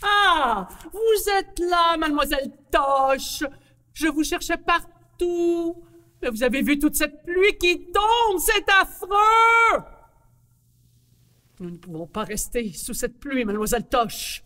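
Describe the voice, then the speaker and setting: Grumpy apple man, played by a woman: very high, slow, indignant, in a reverberant space. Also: very animated, bright, forceful tone, exaggerated voice. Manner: indignant, exclaiming. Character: grumpy male apple, hates rain, shouts.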